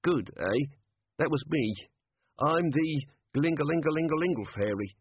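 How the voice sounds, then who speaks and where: A man voicing a small, nervous male gnome who talks high and eagerly, desperate to please, in a storybook reading. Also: expressive, moderate pace, husky. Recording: tinny, phone-like narrow sound.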